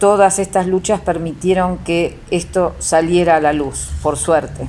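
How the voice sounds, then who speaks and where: There is noticeable background noise. Over it, a woman speaks at a very slow pace. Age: 60s. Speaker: listener. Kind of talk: recorded voice message.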